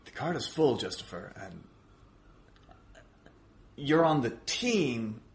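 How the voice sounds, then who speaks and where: A man's voice: medium pitch, sing-song, slow pace, gravelly. A man as a podcast guest, apologetically and hesitantly placating someone in a comic argument. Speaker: podcast guest, wrestling show promoter. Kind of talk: improvised comedic argument on a podcast.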